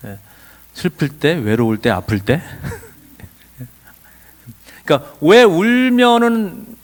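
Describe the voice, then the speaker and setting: Animated man giving a church seminar. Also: on the high side, drawn-out words. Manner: asks rhetorical questions, acts out quoted dialogue. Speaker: lecturer at a church teacher training. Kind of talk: lively seminar lecture.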